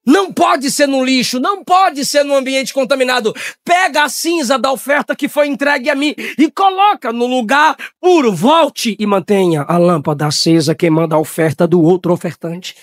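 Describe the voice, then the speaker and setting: A man from Brazil preaching a Pentecostal sermon, shouting in high bursts and then dropping to low, quiet tones. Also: moderate pace, few pauses, dry recording, clean studio sound.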